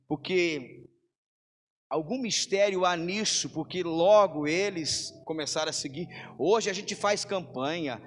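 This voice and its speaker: A man with a Brazilian accent preaching a sermon as a pastor. He calls his listeners "brother" and builds up long lists of phrases for emphasis. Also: sits high. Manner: preaches to the congregation, calling them brother. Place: church hall. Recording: long hall reverb.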